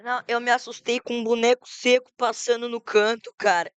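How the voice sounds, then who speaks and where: A woman's voice: fairly high pitch, level tone, brisk, clear, resonant tone, dry recording. A woman with a Brazilian accent chatting casually as a reaction co-host.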